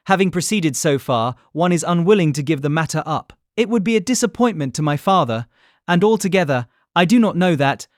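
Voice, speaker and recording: An eager young gentleman, played by a man, gallant and flattering, always persuading. His voice sits fairly high and moves with lively inflection, recorded dry and close for a full-cast period audiobook. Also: dry recording, natural voice.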